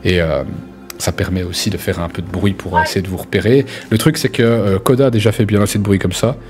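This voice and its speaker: Low-voiced man running a tabletop game. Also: steady tone, a little fast, over music. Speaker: game master. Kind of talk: improvised narration of a tabletop role-playing game.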